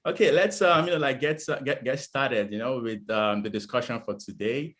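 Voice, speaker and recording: A man's voice: medium pitch, moderate pace, fairly bright tone. A man hosting an interview, rambling his way through questions with many "you know" and "um" fillers. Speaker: interview host.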